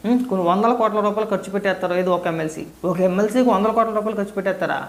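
A man's voice: high-pitched, very fast. A man who is a party activist, delivering a sarcastic, scolding video rant. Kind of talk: ranting video commentary. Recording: roomy echo.

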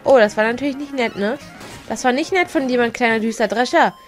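A woman's voice: a little high, a little fast. Giggly woman commenting on a game. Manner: chatty and giggly, often stumbles over words. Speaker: let's play gamer. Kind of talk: casual gameplay commentary. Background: faint game music.

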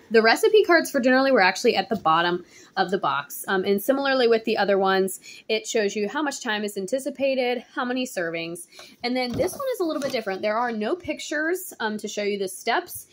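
Woman in her 30s rambling thru a cooking vlog, phone at arm's length, kinda high voice, says um a lot. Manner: chatty, many ums and likes. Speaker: home cook vlogger. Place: home kitchen, indoors. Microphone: phone held at arm's length.

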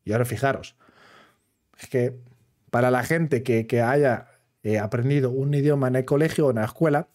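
A man from Switzerland with a Swiss accent, talking casually to camera as a gaming video creator, in careful, halting Spanish that is not his everyday language. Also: mid-range voice, a little mellow. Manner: careful, halting Spanish of a non-native speaker.

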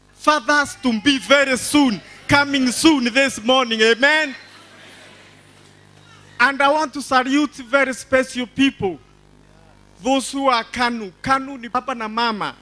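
An older Kenyan man addresses a church congregation with exuberant, declamatory delivery. His voice is high and bright, and he takes his time, repeating phrases to drive them home. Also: steady tone, a little slow. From Embu County, Kenya. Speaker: church testimony speaker. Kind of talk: church testimony, preaching to a congregation. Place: large church hall stage. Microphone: handheld microphone.

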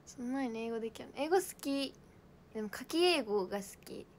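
Bubbly high-voiced young woman streamer. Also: lively intonation, a little fast, a little hiss or hum. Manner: bubbly, giggly, reads viewer comments aloud. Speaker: idol livestream host. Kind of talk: casual livestream chat.

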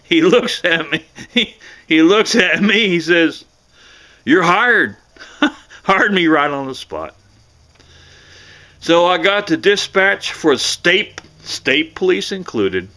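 A middle-aged American man telling a personal story casually to camera in a folksy, halting way, often repeating himself. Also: high-pitched, very animated, pushed and bright. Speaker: vlogger.

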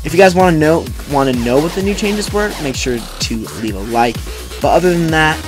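A young man hosting a gaming video with casual, excitable live commentary and chatty asides to viewers. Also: fairly high pitch, fairly quick, over music. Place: indoors, voice-over on game footage.

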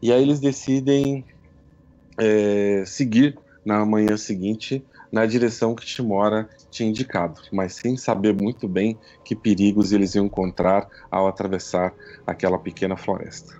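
A man's voice: lowish voice, steady tone, normal speed, mellow. A man running a tabletop game as game master, narrating in a casual, chatty storytelling way. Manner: casual storytelling with frequent tag questions and laughs. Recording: dull lo-fi stream audio.

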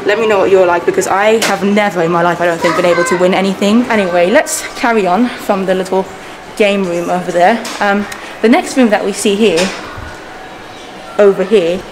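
Filming on a handheld camera, a travel vlogger in her thirties who grew up speaking Persian shows off a hotel's lobby and hallways in a cheerful, chatty way. She speaks a little fast with lively ups and downs in pitch, and the audio is noisy.

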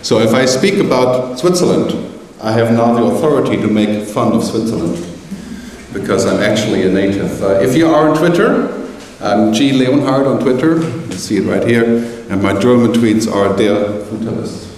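A man's voice: medium pitch, normal speed, slight background noise. Middle-aged man, keynote speaker, wry asides, heard from far off in a very echoey hall. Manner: animated, gesturing, joking asides. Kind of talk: conference keynote. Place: large conference hall. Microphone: headset mic.

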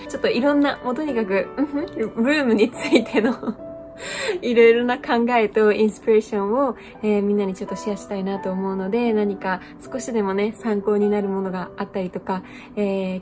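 A young woman chats easily and unhurriedly as she shows off her small bedroom, dropping English words in among plenty of fillers. She speaks close to a handheld camera in a small indoor room, with clear background music running under her voice. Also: medium pitch. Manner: chatty, mixes in English phrases, many fillers. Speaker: vlogger giving a room tour. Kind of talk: casual chat to camera.

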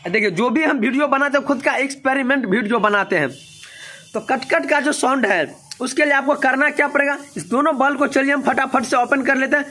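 In a motorcycle workshop, a man who works as a bike mechanic walks viewers through a repair tutorial step by step, pointing things out as he goes. His voice is extremely high pitched and sharp, and he talks a little fast.

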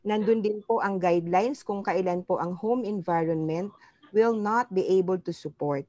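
A woman's voice: medium pitch, normal speed, mellow, no room sound. A middle-aged woman with a Filipino accent giving a formal, polite explanatory presentation as a physician over a video call. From Philippines. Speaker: public health physician speaking at a press briefing. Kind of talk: formal slide presentation, appeal. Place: indoor room, on a video call. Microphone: wired earphone mic on a video call.

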